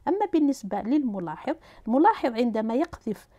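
A woman's voice: fairly high pitch, sing-song, fast talker, dark tone, muffled recording. Algerian woman teaching physics step by step. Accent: Algerian Arabic. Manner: hesitant, with fillers and restarts, talking students through drawing. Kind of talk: whiteboard physics lesson.

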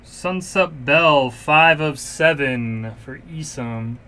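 A man's voice: fairly high pitch, takes it slowly, sharp tone. A man hosting a card break, casually calling out cards and numbers as he opens packs in a shop room.

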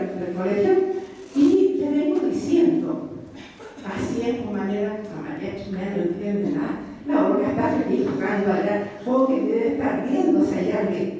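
A woman telling a personal religious testimony in a lively storytelling manner, often checking in with her listeners. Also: medium pitch. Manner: animated storytelling, often asking "¿ya?". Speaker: lay speaker giving a testimony. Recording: echoey hall, voice from far off, faint background noise.

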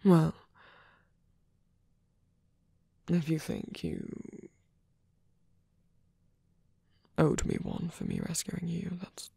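Man acting a slow, husky, tender villain. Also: on the high side, huge pitch swings, dry recording, full character voice. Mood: earnest, vulnerable. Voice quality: breathy, husky, often dropping to a whisper. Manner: hesitant, halting, soft-spoken. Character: male villain, tender, teasing, smitten with rescuer. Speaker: voice actor. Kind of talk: intimate ASMR roleplay acting.

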